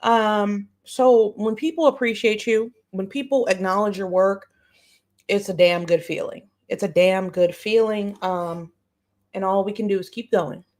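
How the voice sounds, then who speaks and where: A woman's voice: mid-range voice, fairly even intonation, measured pace, darkish tone. A woman hosting a live stream in casual reaction chat, informal and slangy, often saying y'all. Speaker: live-stream host and commentator.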